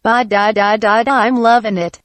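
A woman's voice: fairly high pitch, fairly even intonation, normal speed, no echo. A woman voicing a cheeky female AI drive-thru ordering machine, talking through a drive-thru speaker in a comedy skit. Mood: sing-song. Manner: chirpy, nosy, sing-song.

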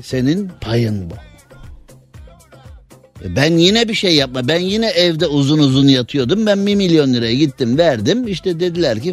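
A male radio host in casual studio talk, chatty and opinionated, full of rhetorical questions. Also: mid-range voice.

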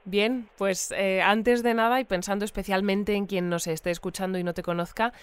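Actress as clear, composed Spanish radio presenter. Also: female voice, medium pitch, steady tone, moderate pace, natural voice. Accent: Spain. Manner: orderly, courteous. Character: composed female community radio news presenter. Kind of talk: radio bulletin and interview.

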